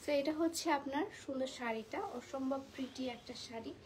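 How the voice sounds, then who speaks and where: A woman hosts a live sales stream, keeping her voice low and careful while a migraine presses on her. Her voice sits a little high, and she drops English words into her Bengali as she chats with viewers. A faint hiss of noise sits behind her. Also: normal speed, rough recording. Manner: speaking softly, mixing English words into Bengali. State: suffering a migraine. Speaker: live sari seller.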